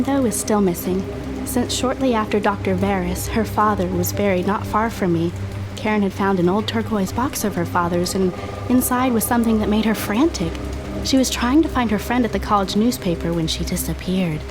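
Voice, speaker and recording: Actress as somber ghostly young woman, loud music. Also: mid-range voice, normal speed, natural voice, low-quality recording. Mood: somber, brooding. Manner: somber, reflective. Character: dead young woman narrating, somber and wistful. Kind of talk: scripted horror audio drama narration.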